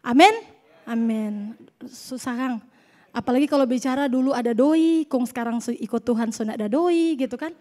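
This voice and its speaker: A young woman preaching a sermon, telling the story lively and joking with the congregation. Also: on the high side, normal speed.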